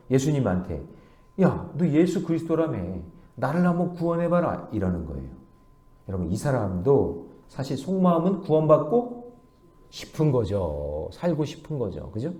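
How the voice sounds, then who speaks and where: Brief: male pastor, early morning sermon, lively swings of pitch, warm mellow tone, leads the congregation in reading verses. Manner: animated, questions the congregation.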